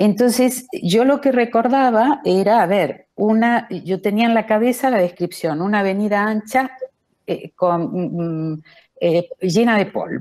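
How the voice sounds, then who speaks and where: Her pitch is fairly high, and her intonation is lively. The woman speaks at a fairly slow pace. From Argentina, Greater Buenos Aires. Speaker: literary translator. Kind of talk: talk at a panel discussion. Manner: halting, with many repetitions and fillers.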